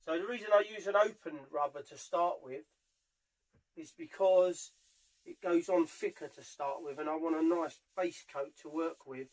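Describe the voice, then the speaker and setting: A man's voice: on the high side, moderate pace, poor audio. A British man giving a casual, hands-on tutorial, explaining each step informally as he works. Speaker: furniture polisher giving a how-to demonstration. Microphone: camera mic on a tripod, at varying distance.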